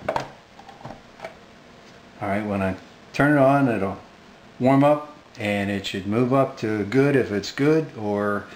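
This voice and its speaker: Slow, low-voiced hobbyist man. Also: a little hiss or hum, rough recording. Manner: unhurried, hesitant with many fillers. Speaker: hobbyist radio collector. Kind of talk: casual talk to camera.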